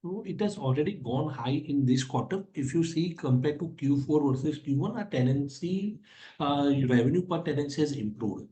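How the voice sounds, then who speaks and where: A man's voice: on the high side, expressive, moderate pace, warm tone. A man with an Indian accent, a company executive answering analyst questions on an earnings call in an explanatory way, repeating his points. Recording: echoey conference call audio.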